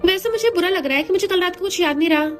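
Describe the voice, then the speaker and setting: A woman voicing a quick-tempered young woman, flustered and defensive toward the husband she treats as an old enemy. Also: extremely high pitch, soft background music.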